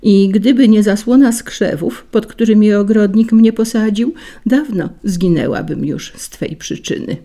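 A woman's voice: medium pitch, normal speed, mellow, pitched above the performer's own voice, lightly acted. A woman reading a storybook, voicing a proud, delicate foreign lady flower who speaks haughtily. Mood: haughty. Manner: haughty, self-satisfied.

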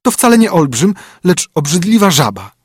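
A spoiled young fairy-tale princess, high-pitched and whiny, who talks in breathless bursts, as a man puts her on. The tone is husky and pushed louder than the narration. The sound is dry and close. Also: very animated, normal speed, no room sound, full character voice. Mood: fretful.

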